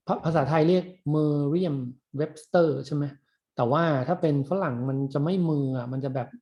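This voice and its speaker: A man's voice: fairly high pitch, warm tone. Casual rambling male lecturer. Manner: casual, rambling explanation with many fillers. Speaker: university lecturer. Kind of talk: online class lecture.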